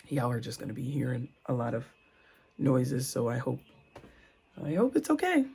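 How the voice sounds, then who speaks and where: A woman with a raspy, hoarse voice from a sore throat, rambling and thinking aloud in a casual vlog at home, filmed on a phone. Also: deep voice, darkish tone. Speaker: vlogger and mom entrepreneur. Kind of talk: casual talking-to-camera vlog. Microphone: phone on a tripod. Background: faint kids' show audio.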